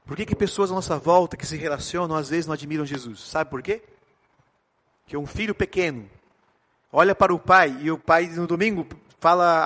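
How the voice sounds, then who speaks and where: A middle-aged man from Brazil with a Brazilian Portuguese accent, preaching a sermon with joking, animated storytelling. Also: a little high. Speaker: pastor.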